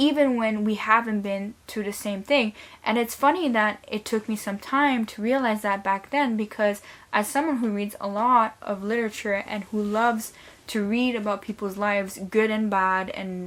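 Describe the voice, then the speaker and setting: Fairly even intonation comes through in a non-native accent. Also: woman, fairly high pitch for a woman, moderate pace. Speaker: mental health and lifestyle vlogger. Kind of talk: casual vlog monologue. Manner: conversational, with fillers like 'you know'.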